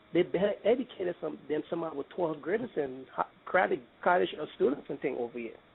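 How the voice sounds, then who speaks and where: A man with a non-native accent, fairly high pitch, lively intonation, and a very fast pace. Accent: foreign. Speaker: caller. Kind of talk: casual chat.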